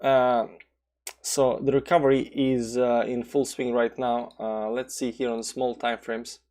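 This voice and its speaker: A man's voice: medium pitch, level tone, unhurried, a little mellow. Rambling Balkan-accented man streaming crypto charts. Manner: rambling, many fillers and restarts; reads chat aloud and answers. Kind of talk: casual live chart commentary.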